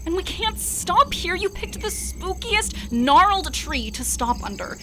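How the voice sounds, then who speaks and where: A woman's voice: extremely high pitch, sing-song, measured pace, fairly bright tone, heavily acted. A woman playing an anxious, sarcastic young fiancée in a horror radio play, with crickets behind her. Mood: irritated. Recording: noisy, insect sounds behind.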